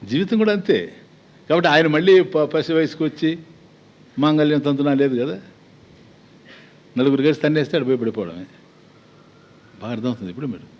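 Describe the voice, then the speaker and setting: A man's voice: on the high side, fairly quick, long pauses, a little mellow. A man with a Telugu accent giving a spiritual discourse as a swami, talking conversationally with many rhetorical questions and acted-out little exchanges.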